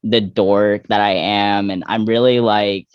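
A man's voice: lowish voice, flat delivery, a little slow, clear, resonant tone, no echo, highs cut off. A young trans man in his twenties, a guest in a candid interview, talking reflectively with frequent fillers and restarts. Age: young adult.

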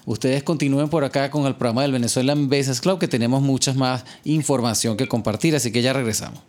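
A man's voice: medium pitch, fairly even intonation, fast, darkish tone. A man hosting a radio interview, hesitant, with many restarts. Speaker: host.

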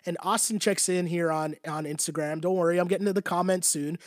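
A man's voice: high voice, fairly even intonation, brisk, dry recording, clean studio sound. Man with a strained, fading voice. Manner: conversational, repetitive, often asks "right?". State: losing his voice. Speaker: basketball show host. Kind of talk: casual sports commentary to a live chat.

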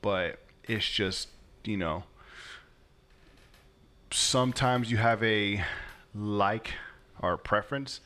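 A man's voice: lowish voice, slow pace, pauses often, bright, forceful tone. A married young man talking hesitantly in a casual group chat, circling his points. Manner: hesitant, many fillers and restarts.

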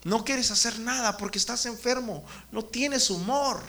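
Bright high-voiced man preaching to children. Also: measured pace. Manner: engaging, asks the children questions by name. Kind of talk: children's sermon.

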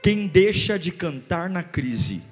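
A man preaching a sermon, swinging between loud bursts and hushed, repeated phrases. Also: high voice, very animated, takes it slowly, long reverb tail, faint music behind. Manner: rhythmic repetition, calls for congregation to repeat. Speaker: pastor.

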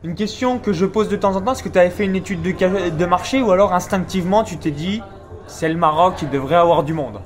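A man hosting a casual business interview at a seminar, explaining and coaching listeners in a brisk way. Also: sits high. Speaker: YouTube interviewer and host. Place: seminar venue.

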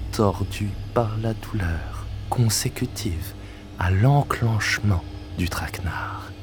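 A man playing a deep, brooding, obsessive widower. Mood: menacing anticipation. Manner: solemn, deliberate, often sinking into breathy whispers. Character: obsessive, vengeful widower, grandiloquent, haunted by his lost wife. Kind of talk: dramatic monologue, literary audio fiction. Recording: binaural recording with music.

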